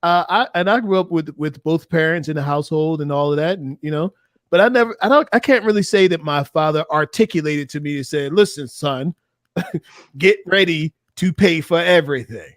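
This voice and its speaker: A man hosting a casual panel discussion, talking in a relaxed, chatty way and reading out viewer comments. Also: on the high side, normal speed, no echo, studio quality. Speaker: host.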